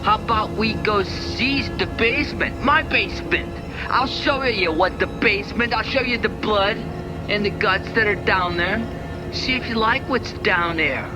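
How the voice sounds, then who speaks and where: A man's voice: high-pitched, measured pace, over music, voice pushed up, rough recording. A man voicing a volatile, threatening male truck-driver coworker in a dramatized story, taunting as he blurts out threats. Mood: angry, menacing.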